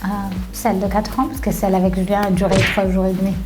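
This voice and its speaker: A woman's voice: medium pitch, flat delivery, fast talker. A young woman from Tunisia chatting casually in an interview, often laughing and repeating her words. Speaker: reality TV contestant. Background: faint background music.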